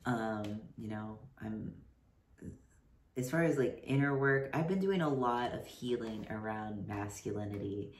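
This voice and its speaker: A man in his thirties chatting casually to his camera, rambling with lots of "like" and "you know", his voice deepening mid-transition. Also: unhurried, slight background noise. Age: 30s. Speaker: vlogger. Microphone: camera mic. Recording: roomy echo, voice somewhat far from mic.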